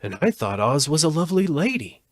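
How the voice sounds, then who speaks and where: A man's voice: a little high, big pitch swings, fairly quick, dry recording, studio quality, pitched above the performer's own voice. A man reading a storybook aloud as an aggrieved, plaintive scarecrow. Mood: puzzled.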